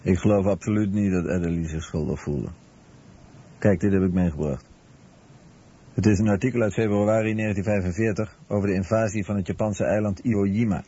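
Husky mellow guy reading scripted voice-over, muffled recording. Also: lowish voice, fairly quick. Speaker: documentary voice-over translator.

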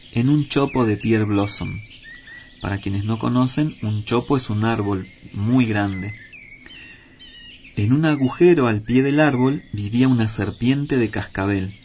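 A man reading a children's story aloud in a measured, expressive way. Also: mid-range voice. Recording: dull lo-fi with faint hiss.

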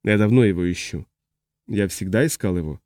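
A man reading the part of a confused, agitated man who has lost his memory, in a fretful, halting way. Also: sits low, mellow, dry recording, studio quality, voice pushed down, natural voice. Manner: fretful, halting, trailing off mid-sentence. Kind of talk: audiobook character reading.

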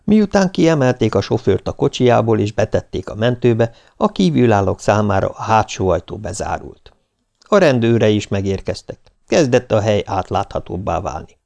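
Recsegő hangú férfi felolvasó. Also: male voice, lowish voice, sing-song, vocal fry, darkish tone. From Hungary. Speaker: audiobook narrator. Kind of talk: scripted narration.

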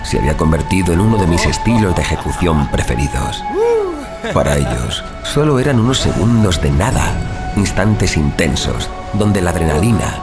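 A man acting a deep-voiced, sardonic vigilante killer. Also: animated, moderate pace, loud music behind the voice. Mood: savoring, sardonic. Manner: savoring, sardonic, literary storytelling. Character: small, scrawny young immortal vigilante killer, sadistic, darkly gleeful. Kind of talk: scripted first-person horror audio drama narration.

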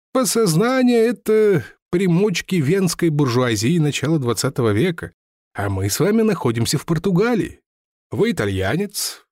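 A pompous, stiffly polite older lottery seller, as a male reader puts him on, his voice lifted well above the reader's own and swinging up and down with lively emphasis. He sounds touchy and talkative. The recording is close and dry. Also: a little high, dry recording, voice pushed up. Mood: lecturing. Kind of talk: audiobook character reading.

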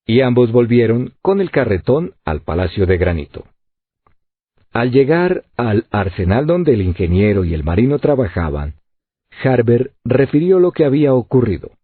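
A man reading a novel aloud as an audiobook narrator, in an expressive way. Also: mid-range voice, moderate pace, husky, dry recording. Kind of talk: scripted narration. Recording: tinny phone-like lo-fi audio.

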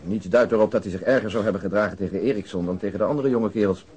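An actor playing a dryly precise police detective in a radio drama, reporting in a factual manner. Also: male voice, on the low side, racing, darkish tone, natural voice. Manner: dry, factual. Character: matter-of-fact male detective, dryly precise.

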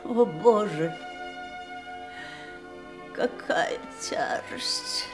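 An actress playing a bitter, wounded middle-aged wife in a theatrical audio drama, with emphatic, anguished delivery. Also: female voice, mid-range voice, wildly swooping pitch, very slow, music in the background, exaggerated voice. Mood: despairing. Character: bitter, wounded ageing wife of a dying famous man. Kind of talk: theatrical Russian radio drama acting.

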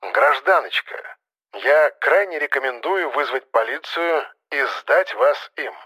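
A man voicing a calm, authoritative man speaking over a phone line, cool and measured, in an audiobook. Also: fairly high pitch, vocal fry, heavily acted. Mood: stern.

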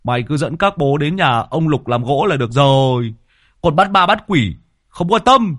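A man voices a brash scarred thug from the north of Vietnam. He hollers in a strained, raised voice, pushy and rough. The sound stays dry and close. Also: on the high side, expressive, normal speed, no room sound, pitched above the performer's own voice. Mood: impatient. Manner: loud, brash, shouting.

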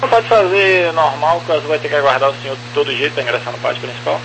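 A man's voice: fairly high pitch, rapid-fire. A Brazilian man working as an air traffic controller, giving clipped instructions over a radio. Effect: radio transmission. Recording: humming, noisy aviation radio.

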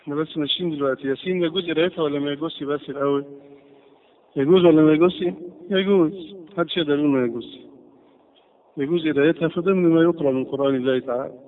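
Fast-talking Egyptian sheikh on a tinny recording. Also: male voice, a little high. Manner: quizzes the class with repeated questions. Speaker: religious teacher. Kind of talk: classroom lesson with questions.

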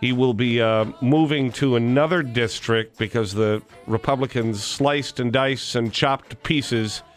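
A man's voice: mid-range voice, unhurried, faint music behind. A man hosting a radio talk show, interviewing a guest with wry, joking asides.

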